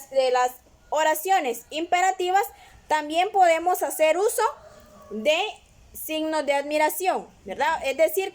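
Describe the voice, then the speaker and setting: A woman teaches a grammar lesson in a patient, measured way. Her voice sits high, and she talks slowly, pausing often to check that her students follow along. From Guatemala. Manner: patient, repeats "¿verdad?" often. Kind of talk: classroom lesson explanation.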